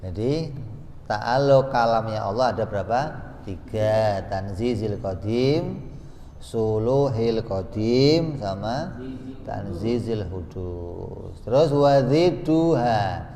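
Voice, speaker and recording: Slow-spoken man teaching in an echoey hall. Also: medium pitch, mellow, a little hiss or hum. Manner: teaches with rhetorical questions and playful examples; chants Arabic text from a book. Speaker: religious teacher. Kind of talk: religious study lesson.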